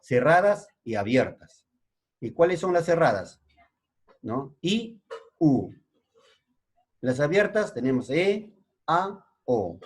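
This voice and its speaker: A middle-aged male secondary school teacher with a Peruvian Spanish accent gives a slow classroom lesson. He keeps checking in with his pupils. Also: on the high side, big pitch swings, breathy edge. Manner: slow, explanatory, frequent checking tags.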